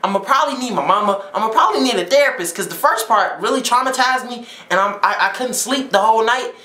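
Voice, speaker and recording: A young man hosting a reaction video, talking in an excitable way and often exclaiming or shouting in disbelief. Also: extremely high pitch, quick pace. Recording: echoey room.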